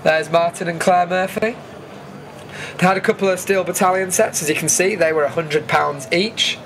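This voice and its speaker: A man's voice: sits high, moderate pace, fairly bright tone, slight background noise. A man with a British accent giving a chatty, informal voice-over commentary as a vlogger recapping an event. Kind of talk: casual voice-over commentary on footage.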